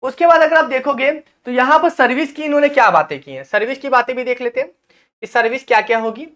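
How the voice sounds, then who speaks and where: A man's voice: extremely high pitch, fairly bright tone. A man presenting an educational channel, giving an impassioned explainer on a document and addressing listeners as brother. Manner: slowly reads out English clauses.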